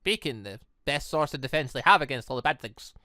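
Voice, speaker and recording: A man reading the visual novel lines of a cold, scheming villainess in a measured, calculating manner. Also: mid-range voice, animated, pushed and bright, dry recording, studio quality. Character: cold, scheming villainess plotting a city's downfall. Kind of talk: reading visual novel game dialogue in character.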